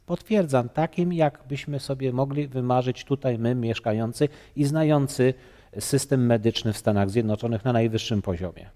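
Halting man guest in a studio. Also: medium pitch, dark tone, in a large hall. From Poland. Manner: halting, many fillers and restarts. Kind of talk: studio interview. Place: bright TV studio, seated on sofa.

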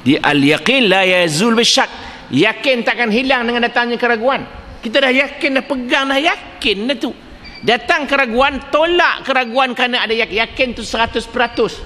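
A man's voice: very high voice, brisk, sharp tone, a little hiss or hum. An older man with a Malaysian Malay accent giving a religious lecture, telling anecdotes, acting out the dialogue and chuckling at his own jokes. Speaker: preacher. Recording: reverberant hall, faint ambience.

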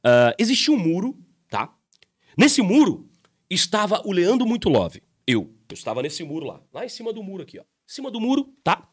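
A man giving a casual commentary monologue to his viewers, telling a story in an animated way and talking to them directly. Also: sits high, moderate pace, slightly rough, dry recording, studio quality. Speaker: YouTube commentator.

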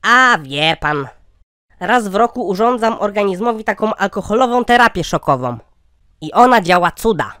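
A man voicing a droll, crotchety old grandpa in a cartoon comedy skit, drawing out deadpan punchlines. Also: sits high, normal speed, smooth, no echo, clean studio sound. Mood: smug.

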